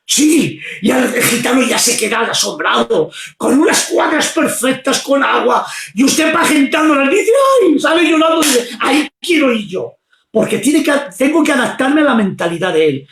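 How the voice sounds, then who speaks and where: A man preaching fervently, often shouting his exclamations. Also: very high voice, animated, normal speed, gravelly, few pauses, roomy sound. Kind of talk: impassioned preaching.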